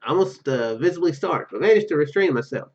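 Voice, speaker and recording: Animated man reading a game aloud. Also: a little high, highs cut off. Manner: halting, stumbles over read words. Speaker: gaming YouTuber. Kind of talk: let's play, reading story text aloud with casual asides.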